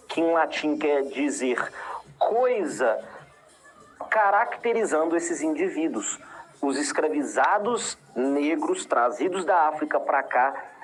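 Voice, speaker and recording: A woman with a Brazilian Portuguese accent teaching a history lesson, explaining patiently and checking in with her students often. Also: low voice. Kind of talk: recorded classroom lesson.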